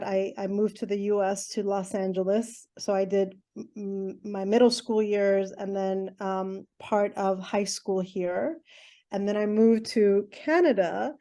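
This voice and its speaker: A middle-aged woman from Iran talks through her answers in an interview. Her voice is mellow, and she pauses often with ums and restarts her sentences as she thinks. She speaks at a medium pitch. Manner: thoughtful, many ums and restarts. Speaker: guest, educational therapist.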